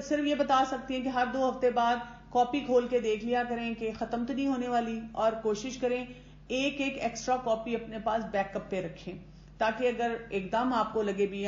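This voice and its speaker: A woman's voice: on the high side, a little hiss or hum. A woman training teachers in a conversational lecture, mixing English words into her talk and acting out what parents and teachers say. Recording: echoey room, dull lo-fi sound.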